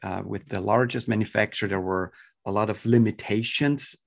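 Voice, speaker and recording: A man's voice: lowish voice, fairly even intonation, moderate pace, creaky. A man from Switzerland with a Swiss accent, speaking as a guest in a podcast interview, enthusiastic and thoughtful, with many fillers and restarts.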